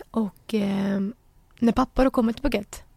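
A woman recounts a story at an easy conversational pace, her low-warm voice often slipping into a gravelly fry. She acts out what others said as she goes. The sound is dry and close. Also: dry recording. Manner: lively retelling, acts out quoted voices. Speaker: podcast guest. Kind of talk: casual storytelling.

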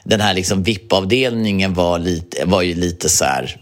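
A man co-hosting a podcast in casual chat, reacting with rambling restarts and laughs. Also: low voice. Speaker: podcast co-host.

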